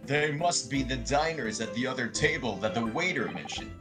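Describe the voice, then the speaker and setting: A man's voice: medium pitch, lively intonation, moderate pace. A man co-hosting a let's-play, joking and laughing as he comments. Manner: jokey, laughing. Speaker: co-host. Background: game music.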